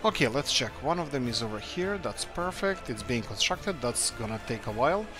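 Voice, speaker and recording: Male let's-player, mid-pitched, rambling upbeat self-talk, with game music clearly underneath. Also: big pitch swings, moderate pace. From Croatia. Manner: rambling, thinks aloud, upbeat muttering. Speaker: let's play host. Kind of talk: casual gameplay commentary.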